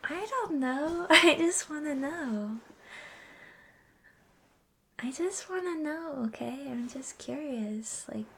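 A young woman whispering softly and giggling often into a close mic, doing an ASMR roleplay. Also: high voice, animated, slow pace, long pauses. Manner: soft whispering with frequent giggles.

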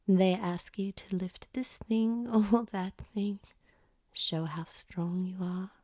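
A woman reading an erotic story in a soft, unvoiced whisper close to the mic. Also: mid-range voice, slightly rough, dry recording.

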